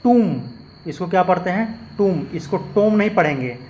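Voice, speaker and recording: A man's voice: high voice, lively intonation, moderate pace, a little mellow, a little hiss or hum. A man teaching a lesson, patiently explaining and spelling out words letter by letter. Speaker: English teacher. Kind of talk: spoken lesson with spelled-out examples.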